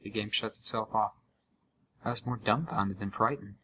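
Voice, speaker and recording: A man playing a haunted gamer, narrating a scripted horror story with deliberate, dramatic pauses full of dread. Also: fairly low pitch, pushed and bright, breathy edge. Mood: stunned dread.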